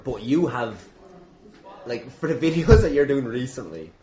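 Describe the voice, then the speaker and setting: A man's voice: mid-range voice, very animated, moderate pace, dark tone. An Irish man hosting a podcast as a casual interviewer, teasing, irreverent and prone to swearing. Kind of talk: casual, jokey podcast chat. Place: inside a busy gym.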